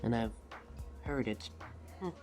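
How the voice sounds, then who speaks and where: A woman's voice: rumbling low, music in the background, exaggerated voice. A woman playing a shy, flustered, affectionate date in an intimate, hesitant romantic ASMR roleplay. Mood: relaxed, friendly. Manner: awkward, hesitant, halting delivery. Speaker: audio roleplay voice actor.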